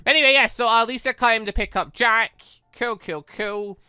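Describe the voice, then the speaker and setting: A man's voice: very high-pitched, normal speed, bright, forceful tone, clear, resonant tone, no echo, studio quality. A man giving casual let's-play commentary, rambling and interrupting himself with playful little sound effects. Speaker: gaming video host.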